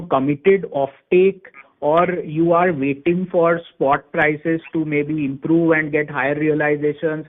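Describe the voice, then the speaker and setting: A man calling in as an analyst to put questions on an earnings call. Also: fairly high pitch. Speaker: analyst caller asking questions. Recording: narrow tinny phone line.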